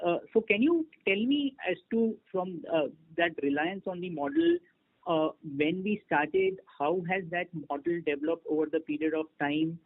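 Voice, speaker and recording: High-voiced analyst on phone. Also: male voice, animated, normal speed. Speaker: analyst asking questions. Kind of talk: polite question on an earnings call. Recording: narrow phone line.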